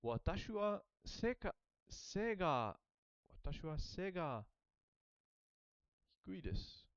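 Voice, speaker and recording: A hesitant man practices aloud in a thinking-out-loud study session; he's a language learner with German as his native tongue. His smooth voice sits high, swings widely in pitch and moves slowly, broken by repeated words and soft, self-conscious laughter. There's no echo, just a slightly muffled, dry sound.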